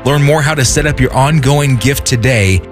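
A man announcer making an earnest, persuasive appeal for donations. Clear music runs beneath his voice. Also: mid-range voice, moderate pace. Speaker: radio announcer. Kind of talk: scripted appeal.

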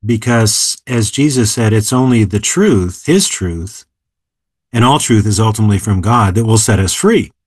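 A man in his seventies, an author and philosopher, explaining ideas in a measured, emphatic way during an interview. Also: on the low side, lively intonation, dry recording, studio quality. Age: 70s. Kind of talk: interview conversation.

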